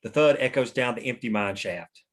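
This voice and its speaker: A man's voice: medium pitch, animated, moderate pace. A man narrating scene headings and stage directions at a script table read.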